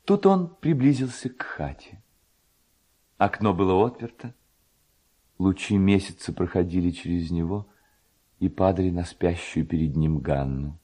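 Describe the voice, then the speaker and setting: Male storyteller: low-pitched, unhurried, theatrical reading of classic prose, expressive and deliberate. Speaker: narrator and reader. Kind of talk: literary storytelling, scripted narration.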